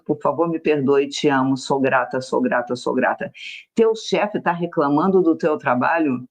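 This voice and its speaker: Emphatic Brazilian woman teacher. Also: deep voice. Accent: Brazilian Portuguese. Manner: emphatic, repeats phrases in slow soft chanting. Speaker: spiritual self-help teacher. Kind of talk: online class with sales pitch and guided mantra exercise.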